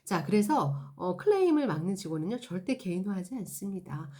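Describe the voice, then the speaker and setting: A woman customer service trainer giving an animated instructional talk, acting out example dialogues. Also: mid-range voice, a little fast.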